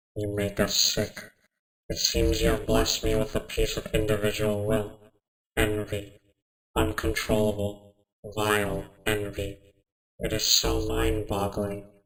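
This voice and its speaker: A man puts on a raspy character voice with a fairly low pitch. He speaks at a fairly slow pace. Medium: role play. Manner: formal, disdainful.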